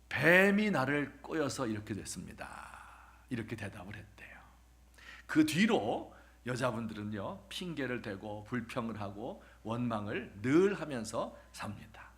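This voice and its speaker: A man preaching a sermon as pastor, telling a story with questions to the congregation and funny asides, dropping at times to a hushed near-whisper. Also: medium pitch, animated, normal speed. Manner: acts out quoted voices, drops to a hushed near-whisper at times; humorous asides about married life.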